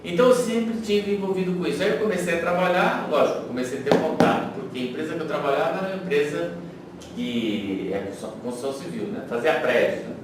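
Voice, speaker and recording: A man's voice: fairly high pitch, fast talker. A middle-aged man with a São Paulo accent telling stories about himself conversationally as an interview guest. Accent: São Paulo Brazilian Portuguese. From São Paulo, Brazil. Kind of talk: conversational career reminiscence. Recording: very echoey, noisy room, distant microphone.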